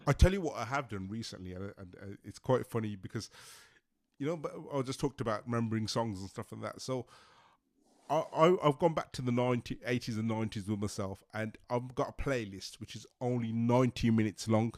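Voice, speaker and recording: Speaking fairly quickly with a medium pitch, this podcast host keeps his interview conversation casual, stumbling through plenty of fillers and restarted phrases.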